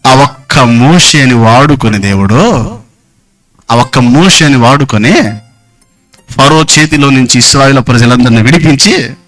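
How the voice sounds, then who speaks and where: A man's voice: medium pitch, animated, measured pace, long pauses, a bit bright, soft background music. A man preaching a Sunday sermon in an emphatic, repetitive way, often putting questions to the congregation.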